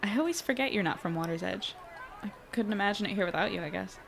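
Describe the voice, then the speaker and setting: A woman's voice: medium pitch, lively intonation, quick pace, gravelly, a bit bright, some chatter behind. An actress playing a friendly, talkative, wry young woman in a naturally acted audio drama. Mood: concerned, curious.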